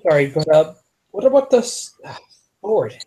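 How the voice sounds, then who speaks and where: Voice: mid-range voice, very animated, normal speed, dark tone. A player at a tabletop game who talks casually and hesitantly, with lots of stop-start phrases.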